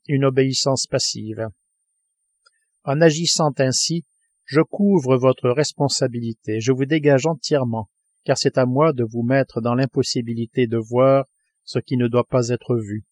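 A man reading the lines of a stern, cold male submarine commander in a grave, measured audiobook voice. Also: medium pitch, a little mellow, no room sound, close to an everyday voice.

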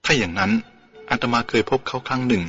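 A man reading as a calm old monk. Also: mid-range voice, fast, creaky, pitched above the performer's own voice, exaggerated voice. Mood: reflective. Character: calm elderly Buddhist monk. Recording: dull lo-fi with faint music.

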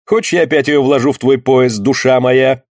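A man's voice: mid-range voice, fairly even intonation, moderate pace, darkish tone, no room sound, clean studio sound, voice pushed up, lightly acted. A man doing a brash, swaggering street tough. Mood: teasing. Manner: brash, mocking. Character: swaggering male street tough, rough and teasing.

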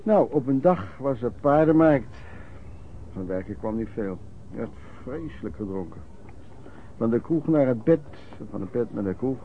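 An actor playing a rough, hard-drinking vagrant pedlar who reminisces in colloquial, old-fashioned, hesitant anecdotes in a Dutch radio play. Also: male voice, medium pitch, animated, normal speed, slight background noise, close to an everyday voice. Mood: reminiscing. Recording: dull, lo-fi radio play recording.

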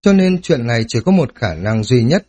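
A man narrating a fantasy novel as an audiobook, with steady storytelling and dramatic emphasis. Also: mid-range voice, normal speed.

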